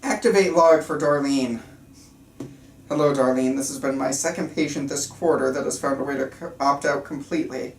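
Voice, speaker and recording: A woman's voice: extremely low pitch, moderate pace. A woman playing an earnest, controlling male psychiatrist at a script table read, stumbling slightly and speaking clinically and insistently. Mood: grave. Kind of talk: table reading of a film script. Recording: roomy, distant mic, faint room noise.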